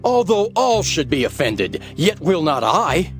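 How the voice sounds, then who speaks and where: A man's voice: a little high, big pitch swings, a little slow. An actor playing a vehement, loyal male disciple, insistent in a dramatized Bible reading. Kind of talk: dramatized Bible audio acting. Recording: music behind the voice. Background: background music.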